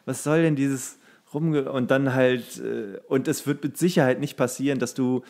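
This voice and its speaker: A man's voice: medium pitch, steady tone, moderate pace, vocal fry, darkish tone. A man chatting as a podcast co-host, ranting in a crude, slangy, grumbling way. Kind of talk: casual chat, ranting banter.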